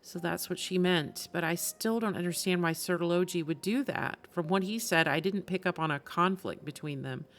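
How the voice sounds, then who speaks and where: A woman's voice: on the low side, moderate pace, few pauses, slight background noise. A woman game streamer giving casual live reactions, musing aloud in a conversational way.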